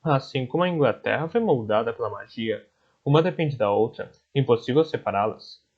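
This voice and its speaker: A man voicing a courteous, clever magician who talks in a polite, measured way. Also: medium pitch, animated, lo-fi sound.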